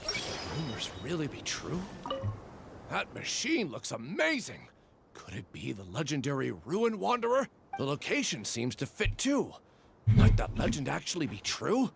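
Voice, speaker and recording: A man's voice: a little high, huge pitch swings, normal speed, gravelly, noisy background, full character voice. A man voicing a gossipy older villager in a video game, telling things with dramatic flair. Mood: awed. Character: gossipy older villager spinning an old legend. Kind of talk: English video game voice acting.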